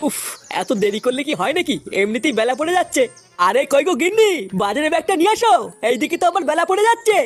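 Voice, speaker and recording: A woman's voice: sits high, expressive, fast talker, faint music behind. A woman voicing a grumpy, harried, foul-mouthed old village grandfather in a comedy cartoon. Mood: impatient grumbling. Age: older. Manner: grumbling, nagging.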